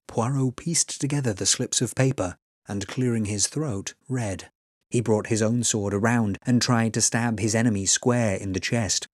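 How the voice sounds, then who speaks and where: A man narrates literary fiction in a fairly low voice, captured dry and close. His delivery is measured and dramatic, like a seasoned audiobook storyteller. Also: dry recording. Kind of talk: scripted literary narration, voice reel.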